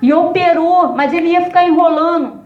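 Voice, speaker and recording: High-voiced woman pastor, roomy sound. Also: moderate pace. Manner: emotional storytelling, addresses listeners by name. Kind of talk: testimony sermon. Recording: roomy, distant, dull sound.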